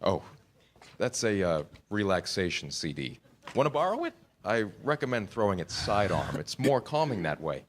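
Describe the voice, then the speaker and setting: A man's voice: fairly low pitch, big pitch swings, normal speed, slight background noise. A man playing a fussy, determined amateur burglar in a staged comedy reading, dry and slightly hesitant. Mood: reluctant, dry. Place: live staged reading in a church.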